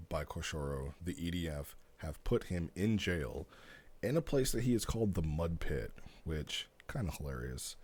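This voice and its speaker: A man giving casual, explanatory commentary as a streamer, talking through a story in an animated way. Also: sits low. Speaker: streamer reviewing roleplay stories.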